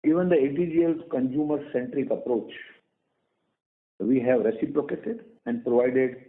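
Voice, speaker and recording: A man with an Indian accent giving a prepared company earnings presentation as an executive, formally and in short, measured phrases. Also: mid-range voice. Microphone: phone or conference call line. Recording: tinny phone-line conference call audio.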